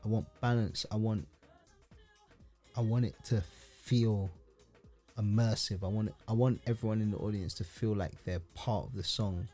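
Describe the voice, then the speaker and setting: A man chatting as a podcast guest, joking and animated, swearing freely. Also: fairly low pitch, moderate pace, soft background music. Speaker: podcast guest, musician and sound engineer. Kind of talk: casual podcast conversation.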